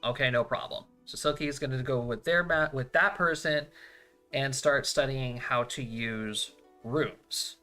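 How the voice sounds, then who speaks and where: Laid-back male game master with soft music. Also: mid-range voice, measured pace. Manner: casual, thinking aloud with many fillers. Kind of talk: narrating a tabletop role-playing game.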